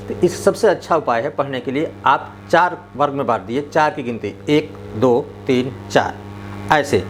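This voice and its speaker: A male teacher explains punctuation in a measured, patient way, dragging out his example sentences so the pauses can be heard. His voice sits at an ordinary middle pitch. A soft hum sits faintly behind him. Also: expressive. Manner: slow, deliberate delivery, stretching out example sentences. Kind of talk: grammar lesson for parents and teachers.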